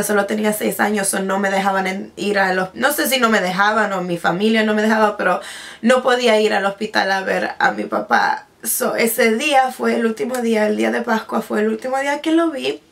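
Young woman, spanish was her first language, now mostly speaks english, casual home vlog at her vanity, mid-pitch voice. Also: gravelly. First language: Spanish, now mainly speaks English. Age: 20s. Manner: chatty, with frequent restarts and English words slipped in. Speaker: beauty vlogger. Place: bedroom with vanity desk, indoors. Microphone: camera in front, seated at medium distance.

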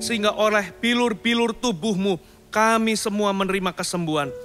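A male pastor with a high, bright voice delivers a devotional and a healing prayer. He moves from calm storytelling into fervent, commanding declarations. Faint music plays under him. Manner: calm, soft-spoken storytelling. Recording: studio voice-over with faint music behind.

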